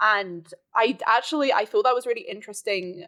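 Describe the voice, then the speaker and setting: In a British accent, a woman speaks with ordinary pitch variation. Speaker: podcast guest discussing a book. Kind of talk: casual discussion. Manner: animated.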